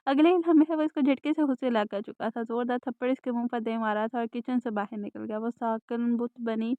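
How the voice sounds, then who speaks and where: A woman narrating a romance novel in a soft, even storytelling manner. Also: on the high side, no echo. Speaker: audiobook narrator. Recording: dry, tinny phone-like sound.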